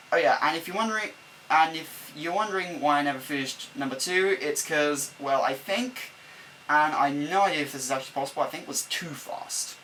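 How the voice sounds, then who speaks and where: A man's voice: a little high, pushed and bright, low-quality recording. A young man with a chatty, rambling manner, giving a game-building commentary voice-over at his desk, recorded on an old camcorder's microphone instead of a proper mic. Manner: rambling, self-correcting, chatty. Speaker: let's-play builder. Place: at a desk at home. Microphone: camera microphone, not a desk mic. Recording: faint hum from a camcorder mic. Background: faint laptop fan hum.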